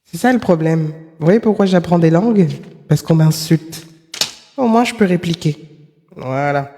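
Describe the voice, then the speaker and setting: A man's voice: a little high, lively intonation, normal speed, mellow, in a large hall, slight background noise. A man streaming live, commenting on videos and chatting with viewers in a sarcastic, rambling way with lots of fillers.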